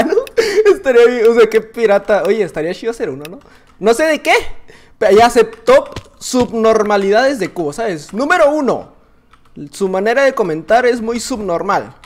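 A man with a Mexican Spanish accent giving casual, excitable gameplay commentary, full of slang, laughing and often shouting. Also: high voice. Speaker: gaming YouTuber.

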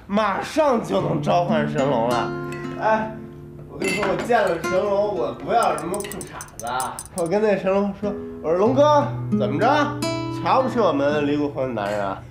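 A sloppy, giggling drunk, a divorced man who rambles and teases with a drawl. His pitch leaps wildly from low mutters to squeaky highs. The scene sounds roomy, with loud music playing under it.

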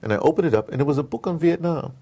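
He races along in a slightly high, gravelly yet mellow voice. An American interview guest who produces audio dramas, he rambles through opinionated anecdotes in a casual chat, drifting into tangents and reenacting conversations.

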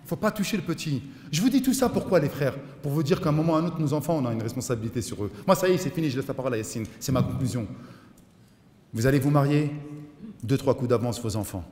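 A middle-aged man, an imam, giving an animated mosque lecture and mixing in street slang. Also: medium pitch, fast talker. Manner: animated preaching, mixes in street slang, voices his son and inner voices. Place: mosque hall. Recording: echoey hall.

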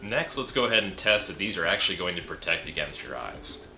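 Faint music plays behind a young man whose low voice is sing-song, brisk, bright and forceful. Speaking into a camera indoors against a pegboard wall, he gives a relaxed, chatty product review full of fillers, and the room gives a roomy echo.

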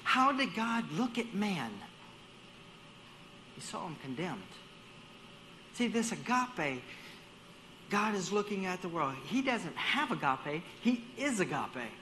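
A man's voice: sits high, very animated, slow pace, pauses often, sharp tone, a little hiss or hum. A man preaching a sermon as a guest speaker at a church service. He talks animatedly, acts out dialogue in other voices and repeats words while he gathers his thoughts.

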